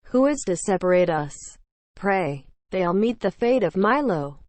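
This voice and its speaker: A woman voicing a passionate, willful young gentlewoman in a storybook, impetuous and declamatory. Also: medium pitch, expressive, a little slow, no echo, close to an everyday voice. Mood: indignant, vehement.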